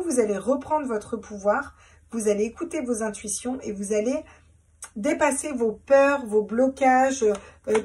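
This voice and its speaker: A woman's voice: on the high side, darkish tone, far from the mic, slight background noise. Chatty woman reading tarot. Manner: chatty, repeats words, laughs at herself. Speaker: tarot reader. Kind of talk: casual tarot reading to camera.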